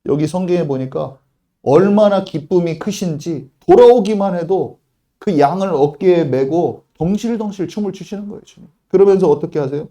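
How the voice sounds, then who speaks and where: A man preaching a sermon as pastor, emphatic, with sudden loud quoted lines and soft asides. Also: high voice, normal speed.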